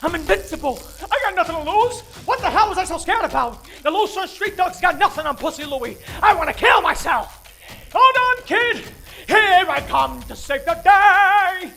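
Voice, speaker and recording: A man's voice: very high voice, animated, a little fast, vocal fry, sharp tone, heavily acted. An actor playing a down-and-out grieving father, self-loathing and desperate, rambling in streetwise, profane dramatic monologue. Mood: manic, despairing. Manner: rambling, profane, streetwise, talking to an unseen child.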